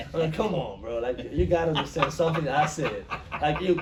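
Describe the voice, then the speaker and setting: A man speaks at a fairly quick pace with a fairly high pitch and lively intonation. The recording has audible room echo and noticeable background noise. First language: Spanish. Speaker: college basketball player. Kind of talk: casual interview.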